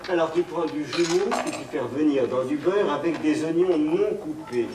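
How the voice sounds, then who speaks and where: An actor playing an easygoing, chatty male accomplice who rambles unhurried. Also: on the high side, natural voice. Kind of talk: film acting. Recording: roomy film sound, distant mic, music.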